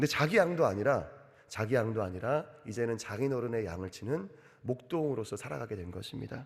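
Big swings in loudness mark a man's unremarkable speaking voice, which has a medium pitch and lively intonation. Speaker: pastor. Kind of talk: sermon.

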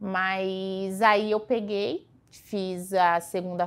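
The woman speaks with fairly even intonation. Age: 30s. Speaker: law student who passed the bar exam; interviewee. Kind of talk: interview. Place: meeting room.

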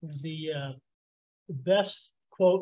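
This man's voice has a dark, mellow tone. His pitch is fairly high. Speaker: township supervisor. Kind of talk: public meeting. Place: meeting room. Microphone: podium.

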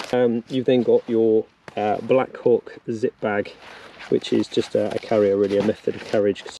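A man with a British accent talks at a moderate pace. The sound is dry with no echo, over light background noise. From United Kingdom. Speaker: former Royal Marine and bushcraft instructor. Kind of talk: gear tutorial. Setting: outdoors. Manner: casual with frequent fillers. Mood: relaxed, friendly. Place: forest. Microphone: phone near.

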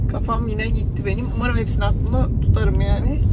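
Loud background noise around a woman's voice, dry with no echo. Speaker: family vlogger. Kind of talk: casual vlog chat. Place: car. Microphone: phone near.

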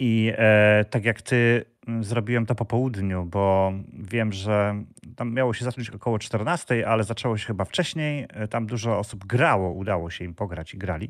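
A man with an unremarkable speaking voice talks at a moderate pace, fairly low in pitch with ordinary pitch variation. The background is quiet and the sound is dry with no echo. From Poland. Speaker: gaming streamer. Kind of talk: casual chat. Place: home room. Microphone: studio mic.

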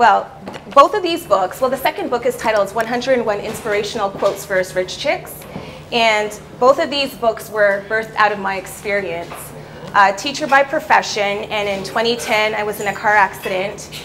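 A woman's fairly high voice at a moderate pace, with ordinary pitch variation and light background noise. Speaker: life coach and author; life coach. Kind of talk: interview. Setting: stage with audience. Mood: warm, reflective. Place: studio.

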